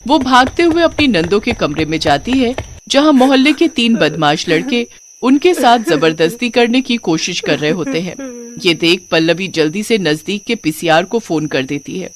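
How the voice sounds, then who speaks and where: A woman narrating a scripted moral story in an expressive storytelling style. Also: medium pitch, moderate pace, background noise.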